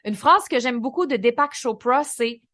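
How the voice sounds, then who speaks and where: Lively Québécois woman coaching. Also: fairly high pitch, moderate pace, no room sound, clean studio sound. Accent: Québécois French. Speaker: podcast host and business coach. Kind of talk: solo podcast monologue.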